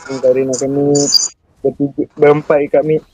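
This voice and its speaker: A man's voice: medium pitch, little pitch movement, a little fast, mellow. A man chatting casually as he comments on a game. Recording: muffled, noisy voice chat with clicks.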